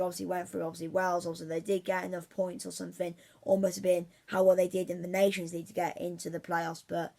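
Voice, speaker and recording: A man giving casual football predictions on his vlog, rambling and repeating himself with many restarts. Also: sits high. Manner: rambling, says "obviously" constantly, many restarts; fan-like, insistent about his team. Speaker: football vlogger.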